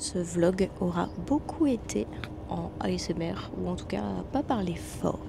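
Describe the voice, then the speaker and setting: Whispering and soft-spoken, a woman talks at a very slow pace amid noticeable background noise. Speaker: booktuber vlogger. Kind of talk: casual vlog. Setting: on a bus. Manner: whispering, soft-spoken.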